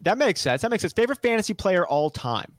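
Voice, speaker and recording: A man with a notably high voice hosts a podcast, full of energy and racing through lists. The sound is close and dry, with no room echo at all. He keeps an eager, upbeat casual-chat manner. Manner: energetic, rattles off lists quickly. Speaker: podcast host.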